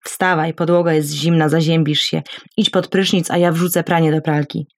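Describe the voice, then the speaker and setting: A patient, caring older husband from a storybook, read by a woman in her own low voice. He talks softly and plainly, with a gravelly edge and a dry, close sound. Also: little pitch movement, normal speed, no echo.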